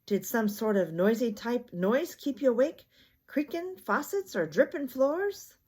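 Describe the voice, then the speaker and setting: An exuberant, boastful storybook tiger acted out by a woman, pitched up and excitable. The delivery is bouncy and exclamatory, with a cartoonish eagerness. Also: unhurried, slightly rough, heavily acted. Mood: curious.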